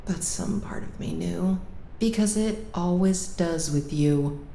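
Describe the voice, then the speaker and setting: A woman's voice: slow, gravelly, warm tone. An actress with an American accent playing a fierce, wounded young woman with a sarcastic, emphatic way of talking in an audio drama. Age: young adult. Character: fierce, wounded young woman lawyer scolding old friend. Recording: roomy sound with faint rumble.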